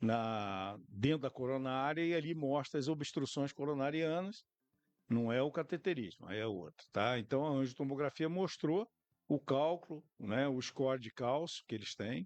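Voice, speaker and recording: A man's normal speaking voice at medium pitch and moderate pace, with lively intonation, a dry, close sound with no echo, and a quiet background. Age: 60s. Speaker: cardiologist. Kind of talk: casual interview. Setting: live-streamed podcast studio.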